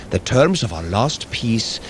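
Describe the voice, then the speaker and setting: An actor playing a noble, earnest warrior god in an audio drama, speaking in a measured, formal way. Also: male voice, on the low side, big pitch swings, noisy background. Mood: earnest, worried. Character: Thor, noble male warrior god, earnest, steady, trusting.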